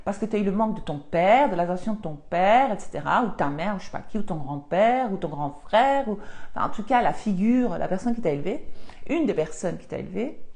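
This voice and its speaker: A woman's voice: medium pitch, lively intonation, fairly quick, a little mellow. A woman, chatting on a live stream from her home office and answering viewer comments as a spiritual coach. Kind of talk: casual live-stream chat.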